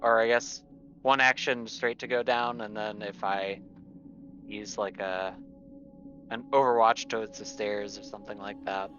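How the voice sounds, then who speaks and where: A man's voice: lowish voice, fairly even intonation, unhurried, pushed and bright. A man playing a tabletop roleplaying game, chatting casually and talking through his options tentatively, on dull audio. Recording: dull lo-fi audio under music.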